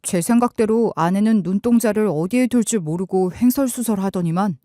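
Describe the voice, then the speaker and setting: A woman reads a scripted first-person story in a calm, even way. Her pitch sits in the middle range, and the recording is dry and close to the mic. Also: normal speed, no room sound. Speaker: story narrator.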